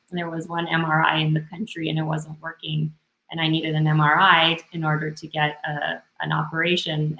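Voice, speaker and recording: A woman, talking casually and haltingly as an interview guest. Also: low voice, creaky, bright, forceful tone, reverberant, rough recording. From northern British Columbia, Canada, born in Romania. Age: 30s. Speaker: podcast guest.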